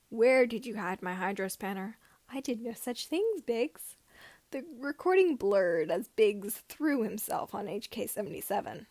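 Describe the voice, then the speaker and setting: A woman reading scripted fan fiction as an amateur narrator, with slightly halting phrasing. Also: a little high, darkish tone, no echo.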